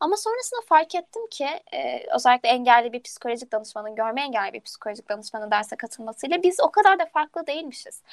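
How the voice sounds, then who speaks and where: A woman rushes along at a very fast pace with hardly any pauses, her high pitch swinging very widely. The sound is dry and close with no echo. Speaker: psychology undergraduate student. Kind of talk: interview.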